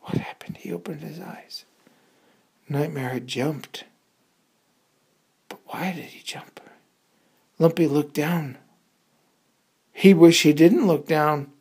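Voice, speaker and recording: Woman doing a dramatic kids bedtime story, super low husky voice, slow and suspenseful. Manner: suspenseful, repeating words for effect, with hushed asides.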